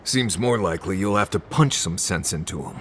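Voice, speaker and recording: A man playing a gruff, sardonic adventuring companion in a video game, blunt with a dry wit. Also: deep voice, lively intonation, fairly quick, a bit bright, slight background noise. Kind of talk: video game character acting.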